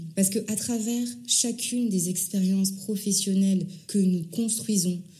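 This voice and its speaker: A somewhat breathy woman with a dark, mellow tone speaks at a medium pitch and a fairly slow pace with fairly even intonation. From Ivory Coast. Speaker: private equity investor. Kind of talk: interview.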